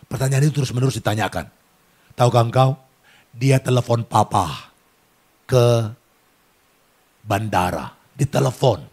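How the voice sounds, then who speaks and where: A man's voice: mid-range voice, a little slow, long pauses, darkish tone, slightly rough. A male pastor preaching a sermon in a church, telling stories dramatically and acting out the people in them.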